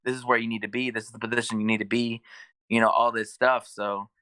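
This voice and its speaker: A man's voice: medium pitch, flat delivery, quick pace, pushed and bright, smooth, dry recording. A man coaching youth basketball, chatting as a guest on a video call in an agreeable, explaining way. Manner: conversational, agreeable, explains with examples. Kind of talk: casual chat on a video call.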